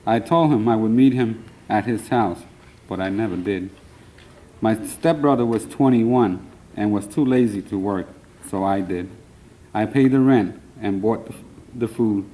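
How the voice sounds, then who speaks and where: A man's voice: lowish voice, dark tone, low-quality recording. A man in his thirties from Puerto Rico reading his own poems at a conference, earnest and plain, a little nervous. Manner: earnest, plain, measured delivery with short line breaks. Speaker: poet reading his work. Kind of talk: live poetry reading. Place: conference hall.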